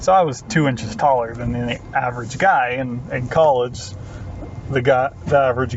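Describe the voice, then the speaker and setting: Speaking at a moderate pace with an East Texas accent, the voice comes through over noticeable background noise. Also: man. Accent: thick East Texas. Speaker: solo podcaster. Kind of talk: casual monologue. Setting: in a car on commute.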